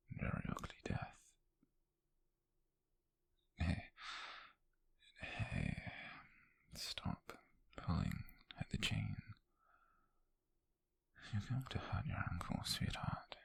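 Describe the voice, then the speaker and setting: Man acting a gravelly whispering British mafia captor. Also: low-pitched, heavily acted. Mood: cold menace, then soothing, controlling. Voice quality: breathy, husky whisper. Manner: slow, deliberate, menacingly tender. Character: possessive male mafia kidnapper, obsessive, softly menacing, tender. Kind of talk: ASMR roleplay, intimate whispered acting.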